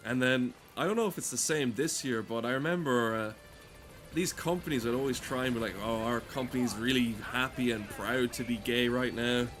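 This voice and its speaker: A man's voice: mid-range voice, normal speed, a bit bright, soft background music. A man giving crude, comedic, rambling commentary while playing a game, swearing often. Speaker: gamer talking over gameplay.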